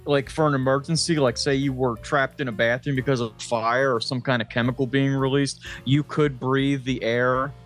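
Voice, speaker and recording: Male podcast co-host, mid-pitched, profane and self-deprecating, casual banter, music in the background. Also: fairly even intonation, normal speed, few pauses. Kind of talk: casual comedic podcast chat.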